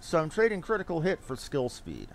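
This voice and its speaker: A man's voice: on the high side, wildly swooping pitch, fairly quick, gravelly, a little hiss or hum. A man giving casual, rambling gameplay commentary as a streamer, thinking aloud as he goes. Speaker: game streamer. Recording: game music behind voice. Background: video game music.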